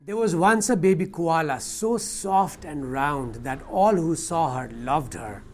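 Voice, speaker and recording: A man's voice: on the high side, expressive, a little slow, darkish tone. Man in an echoey room. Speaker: workshop facilitator and educator. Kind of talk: explanatory workshop talk. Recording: echoey room, music underneath.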